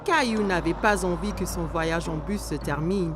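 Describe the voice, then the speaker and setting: A woman giving scripted storybook narration for a children's cartoon, expressive and aimed at young listeners. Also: lowish voice, normal speed, music in the background.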